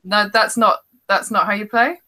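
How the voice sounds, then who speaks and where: A woman's voice: mid-range voice, fairly even intonation, normal speed, a crowd in the background. A woman, chatting casually as a podcast guest with dry humour. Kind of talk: casual chat. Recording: clearly noisy line with clicks.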